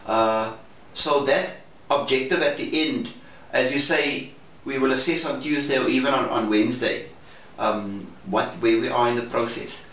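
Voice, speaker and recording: A man speaking in a measured, hesitant and formal way in a reflective debrief conversation. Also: medium pitch, a bit bright. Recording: roomy, distant mic, faint noise.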